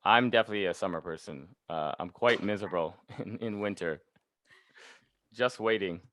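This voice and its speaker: Man, Canadian accent, fairly low pitch, informal chat, podcast co-host. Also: normal speed, a bit bright, a little hiss or hum. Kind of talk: casual chat.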